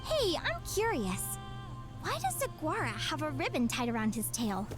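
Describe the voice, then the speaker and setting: High-pitched, eager young adventurer girl. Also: wildly swooping pitch, moderate pace. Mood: eager, earnest. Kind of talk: video game voice acting. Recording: loud game music behind. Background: game music.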